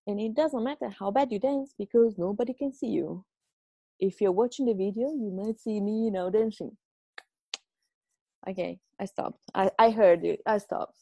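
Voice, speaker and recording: A woman's voice: mid-range voice, dark tone, dry recording. A woman from Italy with an Italian accent, giving chatty, self-mocking encouragement as a podcast host at home. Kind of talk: casual advice monologue.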